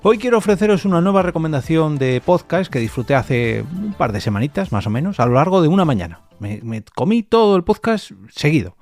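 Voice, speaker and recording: With soft music in the background, a man with an accent from Spain hosts and produces a solo podcast, chatting casually and directly to listeners. His voice sits on the high side with a darkish tone, swinging widely in pitch as he talks briskly with few pauses.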